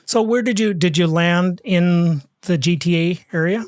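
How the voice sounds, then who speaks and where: A man hosting an interview, chatty and halting, often restarting his sentences. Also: high-pitched, no echo, clean studio sound. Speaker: podcast host. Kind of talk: interview conversation.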